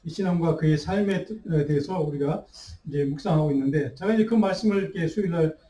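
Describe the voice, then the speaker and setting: A man preaching a sermon as pastor, unhurried, with restarts and fillers. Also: on the high side, dark tone. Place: church sanctuary. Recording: roomy church sound, mic at a distance.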